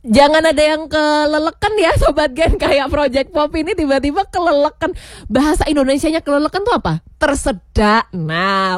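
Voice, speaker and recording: Chatting casually on a morning show in a radio studio, a woman host laughs often and slips into regional words, her high voice a bit worn from shouting. The recording is dry and studio quality.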